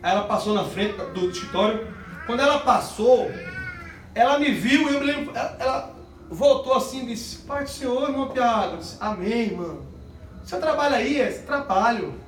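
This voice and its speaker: A man preaching a sermon, telling a story with animated bursts of shouting and singing. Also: extremely high pitch, normal speed, slight background noise. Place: church. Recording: echoey church hall miked from a distance.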